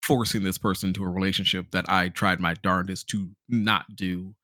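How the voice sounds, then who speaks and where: Low-voiced man chatting casually about games. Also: level tone, normal speed, pushed and bright, no echo, studio quality. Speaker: podcast host. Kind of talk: casual chat, game review.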